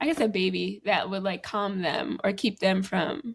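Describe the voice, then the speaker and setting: Over a very clean recording with a silent background, a woman speaks at a fairly slow pace with vocal fry. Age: 30s. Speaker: filmmaker and photographer. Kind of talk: casual interview chat.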